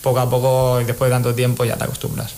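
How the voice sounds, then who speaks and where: A young man answers a radio interviewer in a flat, even voice, relaxed and unhurried, with small sighs between points. A faint hiss runs behind him. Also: medium pitch. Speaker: futsal player.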